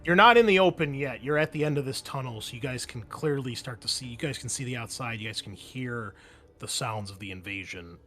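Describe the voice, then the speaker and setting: A man working as game master, narrating a tabletop roleplaying game in a halting, conversational way. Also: mid-range voice, pushed and bright, slight background noise.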